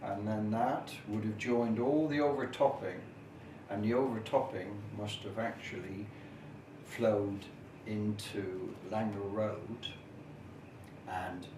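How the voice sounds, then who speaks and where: A middle-aged or older man giving an informal, detailed explanatory talk as a local history presenter, in measured, formal phrasing with hesitant pauses. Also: fairly low pitch, steady tone. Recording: echoey, noisy room, distant camera microphone.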